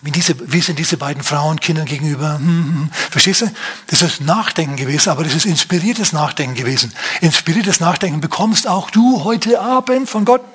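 A man's voice: fairly high pitch, fairly quick, a bit bright, slightly rough. A middle-aged man preaching a sermon at a church service, telling a story with animation and acting out the characters' lines. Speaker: pastor.

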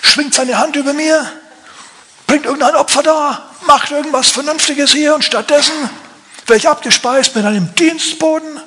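A man's voice: very high-pitched, moderate pace, voice pushed up. A man voicing a proud army general who rants in outrage at being snubbed. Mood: furious. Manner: indignant, boastful shouting.

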